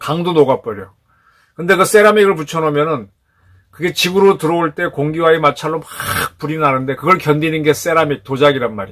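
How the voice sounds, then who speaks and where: A man speaks at a fairly quick pace with fairly high pitch and lively intonation against a quiet background. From South Korea. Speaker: political commentator. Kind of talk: monologue commentary. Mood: indignant, urgent. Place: home room.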